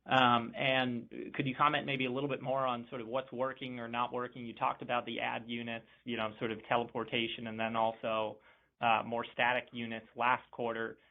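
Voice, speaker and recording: Gravelly, even-toned analyst man on phone. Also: mid-range voice, normal speed. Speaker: financial analyst asking questions. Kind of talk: casual conference call question. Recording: narrow phone line.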